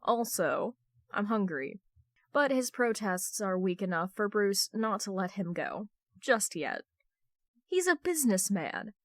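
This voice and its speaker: A woman's voice: medium pitch, lively intonation, measured pace, no room sound, clean studio sound. A woman reading fan fiction aloud as scripted audiobook-style narration. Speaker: podfic reader.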